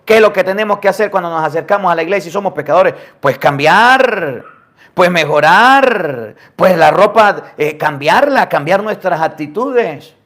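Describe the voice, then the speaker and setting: A man preaching a sermon, asking the listeners question after question and dropping suddenly to a hush. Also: sits high, expressive, moderate pace. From Venezuela. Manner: emphatic preaching with rhetorical questions and sudden drops to near-whispers. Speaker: priest.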